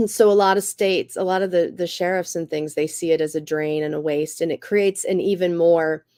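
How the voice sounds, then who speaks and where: Slightly raspy, low-pitched woman, dry sound. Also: fairly even intonation, moderate pace, warm tone, dry recording. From Cherokee Nation. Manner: earnest, fills with "you know" and "um". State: raspy voice with a cough. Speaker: guest speaker. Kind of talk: explanatory talk.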